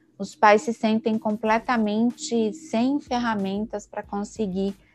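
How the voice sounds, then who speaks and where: Over a quiet background, a woman with a fairly high pitch speaks at a very slow pace. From Brazil, ABC region of São Paulo. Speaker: psychologist and author. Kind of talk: interview about parenting. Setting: podcast.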